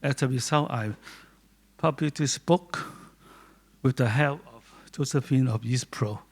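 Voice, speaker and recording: Halting hong kong man giving a talk. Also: medium pitch, vocal fry. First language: Cantonese. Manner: halting, with many restarts and pauses. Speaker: guest speaker, doctor and photographer. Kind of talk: informal talk presenting his photo book. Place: gallery room with a small audience.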